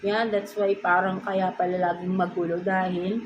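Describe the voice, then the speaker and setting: A woman's voice: fairly low pitch, level tone, normal speed, dull audio. Chatty Filipino woman reading tarot. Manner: chatty, ends nearly every phrase with a questioning "no?". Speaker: tarot reader. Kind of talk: casual tarot reading, mixing Tagalog and English. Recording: clear background noise.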